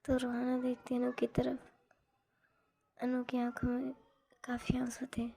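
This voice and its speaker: A woman retelling a drama story in plain, steady narration that often drops to a soft whisper. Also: fairly high pitch, unhurried, creaky, slight background noise.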